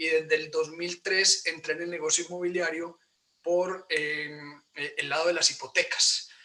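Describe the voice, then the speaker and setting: The delivery moves at a moderate pace with flat, monotone intonation. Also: man. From Colombia, Antioquia (Medellín). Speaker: real estate and mortgage businessman. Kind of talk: webinar presentation.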